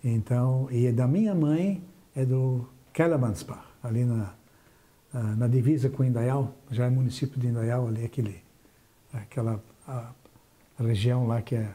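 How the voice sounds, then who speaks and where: A man's voice: medium pitch, fairly even intonation, normal speed, warm tone. An older businessman from southern Brazil, recalling his life as an interview guest, often restarting and trailing off as he remembers.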